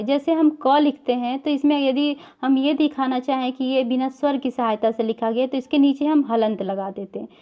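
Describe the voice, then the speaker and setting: A woman's voice: high-pitched, dull audio. A woman teaching a Hindi grammar lesson to viewers. She repeats her points and puts questions to the class, and she mixes English words into her Hindi.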